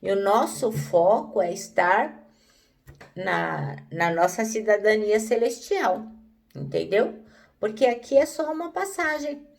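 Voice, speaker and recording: A woman teaching a devotional Bible lesson in a middle-pitched, gravelly voice. She speaks conversationally, with frequent tag questions. She sits a bit back from the microphone. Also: expressive, slow pace, recorded from a distance.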